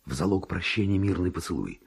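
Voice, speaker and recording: An actor playing a passionate, pleading seducer in a radio verse drama, with slow declamatory delivery. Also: male voice, low-pitched, very animated, gravelly, slightly rough, full character voice. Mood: seductive, pleading. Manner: slow, declamatory, rhetorical courting. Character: Don Juan, passionate male seducer, ardent and pleading. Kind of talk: classic Russian radio drama acting of verse.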